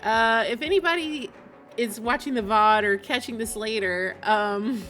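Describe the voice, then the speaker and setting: A woman chats casually on a game live stream in a bright, forward voice. She is talkative and informal, with music playing behind her. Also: on the high side, unhurried. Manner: chatty, often laughs while talking.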